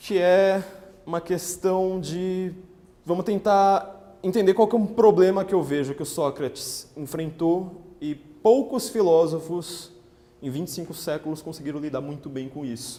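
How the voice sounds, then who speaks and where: A man's high voice with a dark, mellow tone, ordinary pitch variation and big swings in loudness. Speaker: political writer and lecturer. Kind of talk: lecture. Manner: fast.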